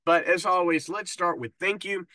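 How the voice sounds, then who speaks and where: A man's voice: high-pitched, fairly even intonation, normal speed, sharp tone, dry recording. A man hosting his own podcast in casual solo talk, his voice stuffed up from a cold and tripping over words now and then. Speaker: podcast host.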